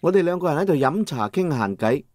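A man narrating a first-person audiobook novel in a measured storytelling manner, over soft background music. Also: on the high side, expressive, no room sound. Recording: dry studio with soft music.

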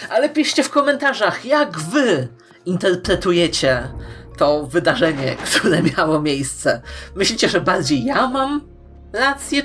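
A woman hosting online fan commentary, playful and emphatic, with dramatic pauses. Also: mid-range voice, a bit bright. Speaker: YouTube host. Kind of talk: scripted fan-theory commentary to viewers.

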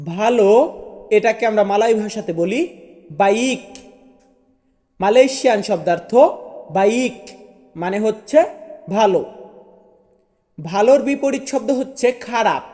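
A man with a notably high voice gives an online language lesson. He drills each word slowly and says it over and over. The long room reverb trails behind every word. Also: darkish tone. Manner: slow, repetitive word drilling. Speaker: language teacher.

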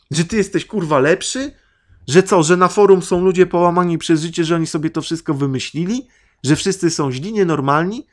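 A man hosting his own podcast rants angrily and sarcastically, firing rhetorical questions at his listeners. His voice sits a little higher than most men's. Now and then he swears. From Poland. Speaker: podcast host. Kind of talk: ranting monologue.

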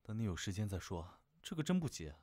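A mild young man played by an actor in an amateur radio play. His voice is fairly low and lilting, with a soft, unhurried manner. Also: very animated, no room sound. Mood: concerned. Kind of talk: amateur radio drama acting.

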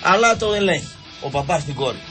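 A man's voice: on the high side, over music. A man telling comic anecdotes on a radio show, acting out voices in his stories. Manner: animated, acts out voices in anecdotes. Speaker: radio show guest storyteller. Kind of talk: casual comic storytelling. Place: radio studio.

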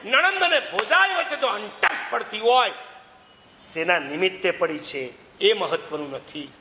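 High, bright male preacher, animated sermon, echoey hall. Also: unhurried, background noise. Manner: animated, addresses listeners directly. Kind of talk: sermon storytelling. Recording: echoey hall, faint ambience.

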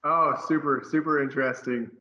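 A man's voice: mid-range voice, fairly even intonation, a little fast, sharp tone. A man, a race engineer, chatting casually in an interview in an upbeat, earnest way. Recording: dull lo-fi sound.

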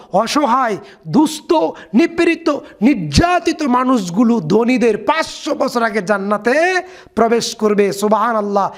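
A man preaching a sermon, reciting Arabic verses slowly and then explaining them in short repeated phrases with drawn-out exclamations of praise. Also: very high voice. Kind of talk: Bengali waz sermon.

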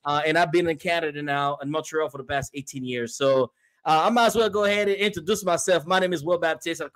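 A middle-aged man from Haiti, a guest and emotional health coach, chatting earnestly on a video call. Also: a little high. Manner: earnest, animated storyteller. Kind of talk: casual chat on a video call. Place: small room at home. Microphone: video call webcam.

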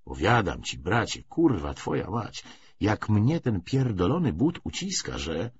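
A male reader plays a coarse, grumbling soldier in an audiobook. He curses and complains in a low, husky mutter. The sound is slightly dull. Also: very animated, unhurried, heavily acted. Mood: grumbling, cursing. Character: grumbling, coarse, swearing cavalry soldier on foot. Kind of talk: audiobook character reading.

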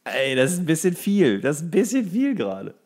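A man's voice: a little high, huge pitch swings, a little fast, a little mellow. A man co-hosting a podcast, chatting casually and colloquially in a jokey, teasing way. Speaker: podcast co-host and actor. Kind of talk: casual comedic podcast chat.

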